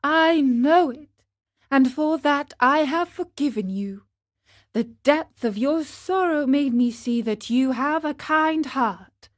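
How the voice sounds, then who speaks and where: A woman voicing a storybook fairy, motherly, wise, tender, slow. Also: high-pitched, no room sound, clean studio sound, voice pushed up. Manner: calm, tender and instructive.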